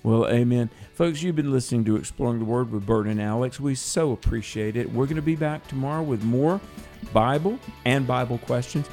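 Male evangelical radio co-host, medium-pitched voice, call-in talk. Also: a little fast, darkish tone, faint music behind. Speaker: radio co-host, Christian author.

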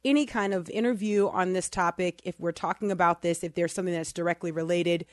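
A woman's voice: fairly low pitch, steady tone, fast, dry recording, clean studio sound. A woman in her forties hosting a Christian talk show, earnest and chatty, with frequent restarts and fillers. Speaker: podcast host.

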